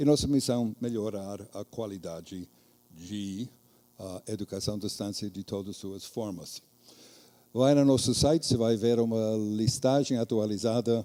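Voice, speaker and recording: A man with an American accent speaks at a moderate pace and a fairly low pitch. His tone is dark and mellow, and his pitch varies in an ordinary way. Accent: foreign (American) accent in Portuguese. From United States (New York). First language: English (speaking Portuguese). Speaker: professor, head of distance education association. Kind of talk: round-table talk at academic symposium. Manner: hesitant, many filler sounds.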